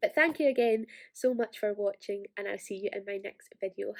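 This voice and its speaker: Fairly quick and fairly high-pitched, a woman with an Ayrshire accent speaks with ordinary pitch variation in a dry, close sound with no echo. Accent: Scottish, Ayrshire. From Ayrshire, Scotland. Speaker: budgeting video creator.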